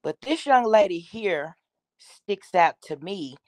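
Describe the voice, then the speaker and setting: A woman's voice: mid-range voice, very animated, slow, a little mellow, no room sound. A woman giving casual, opinionated commentary, talking directly to her online viewers in a conversational way. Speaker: YouTube commentator, host.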